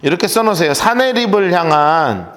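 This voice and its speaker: Animated male preacher in a reverberant church. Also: high-pitched, a little fast. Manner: animated, emphatic, acts out voices. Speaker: pastor. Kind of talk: sermon. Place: church sanctuary. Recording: echoey church hall.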